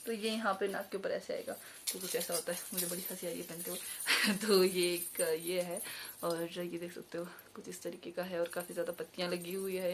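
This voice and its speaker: A young woman vlogging at home, chatty and hesitant, with many fillers and self-corrections. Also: fairly low pitch. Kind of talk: casual show-and-tell vlog. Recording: noisy home recording. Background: jingling jewellery and bells.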